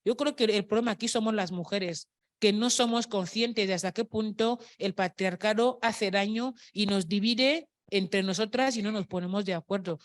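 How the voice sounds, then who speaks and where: A woman speaking at a panel, thinking aloud with frequent fillers and false starts. Her voice sits at a medium pitch, and her talk is unscripted and earnest. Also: normal speed. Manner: hesitant, many fillers and restarts. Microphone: microphone at a public talk.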